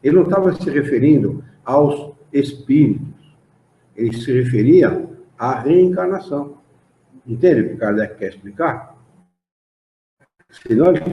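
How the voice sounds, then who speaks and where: A man with a Brazilian accent leading a spiritist study class, explaining texts and asking the group rhetorical questions. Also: medium pitch. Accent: Brazilian Portuguese. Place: meeting room of a study association. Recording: roomy, dull lo-fi room recording.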